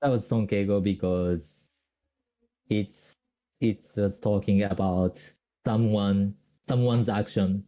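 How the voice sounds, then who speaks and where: A man's voice: fairly low pitch, fairly even intonation, takes it slowly, pauses often, warm tone, rough recording. A Japanese man speaking English with a Japanese accent, explaining grammar on a call, hesitant with many fillers and restarts. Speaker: Japanese tutor.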